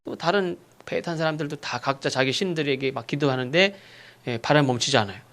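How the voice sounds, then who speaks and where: A male pastor preaching a sermon, asking rhetorical questions and acting out sharp rebukes. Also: on the high side, brisk. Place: church sanctuary.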